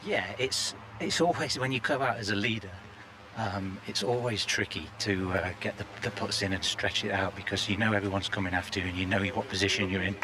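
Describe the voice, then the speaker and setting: Male golf commentator, low voice, measured analysis, noticeable outdoor hum and noise. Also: bright, forceful tone.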